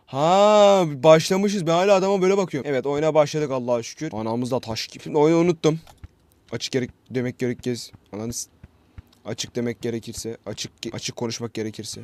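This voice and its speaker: A man's voice: mid-range voice, fast, darkish tone, no room sound. A young man casually commenting while playing a horror game, rambling, swearing and joking at himself. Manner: rambling, swears freely, self-mocking jokes. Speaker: gaming YouTuber. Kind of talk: casual let's-play commentary.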